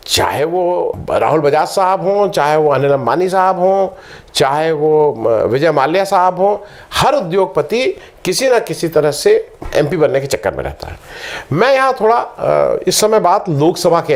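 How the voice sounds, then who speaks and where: A middle-aged man giving a lecturing talk, reeling off statistics with fillers and restarts. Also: a little high. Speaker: political commentator. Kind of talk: explanatory talk to camera.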